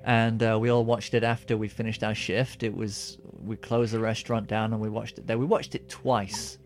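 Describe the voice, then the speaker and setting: In a casual podcast chat, a male co-host with a lowish voice talks briskly but with a completely flat delivery. His speech rambles, packed with fillers and restarts.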